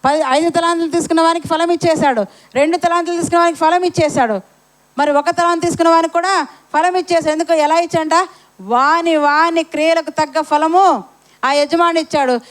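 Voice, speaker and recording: High-voiced woman preaching with rhetorical questions. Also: steady tone, fast. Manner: rhetorical questions, repeats phrases for emphasis. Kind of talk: sermon. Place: church service.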